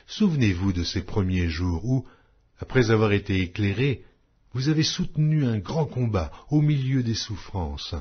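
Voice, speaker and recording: A man reading scripture aloud as a formal audiobook narration, in a solemn, measured, declamatory way. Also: fairly low pitch, lively intonation, slightly rough, lo-fi sound.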